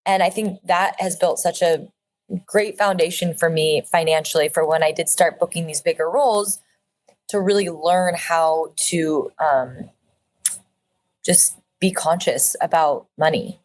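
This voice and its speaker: A woman in her thirties from Orange County, California speaks unhurriedly in a low, darkish voice. As an actress guest in a casual interview, she's earnest and reflective, often using fillers and restarting her thoughts.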